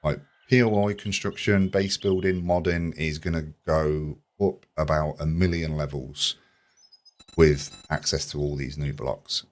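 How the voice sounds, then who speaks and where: A man giving chatty, enthusiastic commentary as a let's play host, slightly croaky from a sore throat. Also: extremely low pitch. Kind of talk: casual video game commentary.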